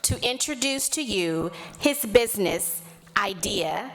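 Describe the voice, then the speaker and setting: A woman's voice: mid-range voice, lively intonation, takes it slowly. A woman presenting a competition, giving formal, scripted introductions. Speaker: event presenter.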